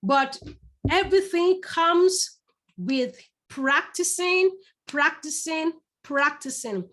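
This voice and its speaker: A woman's voice: high voice, slow pace, a bit bright. A middle-aged woman with a Yoruba Nigerian accent, teaching public speaking in a live class, addressing the listeners directly and repeating words for emphasis. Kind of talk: live online masterclass.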